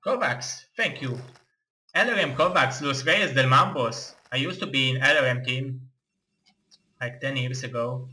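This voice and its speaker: A young man with an Eastern European accent, giving live play-by-play game commentary in halting, excitable non-native English. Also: mid-range voice, poor audio. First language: not English.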